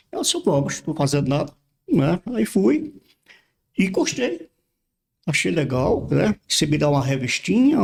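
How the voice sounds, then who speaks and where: A man's voice: fairly high pitch, creaky, slightly rough. An older man from Brazil, a pastor, telling his life story in a casual interview and repeating words as he recalls things. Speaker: pastor, podcast guest.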